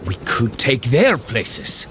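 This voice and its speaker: An actor playing an earnest, blunt male warrior god in an audio drama, measured and solemn. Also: mid-range voice, wildly swooping pitch, noisy background. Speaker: Thor.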